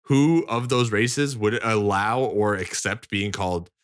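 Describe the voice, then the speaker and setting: A man's voice: fairly low pitch, a little slow, clear, resonant tone, no echo, studio quality. A man co-hosting a podcast, arguing his point in casual, profane chat and pressing with repeated questions. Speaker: podcast co-host.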